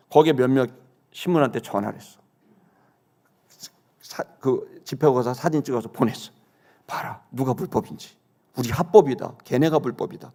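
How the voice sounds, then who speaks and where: A man in his fifties preaching a sermon, telling a personal story with indignation, swinging between hushed and loud. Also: medium pitch. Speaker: pastor. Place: church sanctuary.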